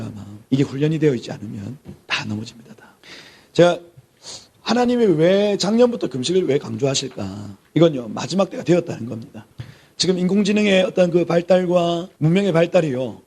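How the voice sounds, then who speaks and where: A man's voice: a little high, mellow, husky. A middle-aged man, a pastor giving a sermon-style lecture, emphatic, repeating key words and dropping to near-whispers for emphasis. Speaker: pastor teaching a theology class.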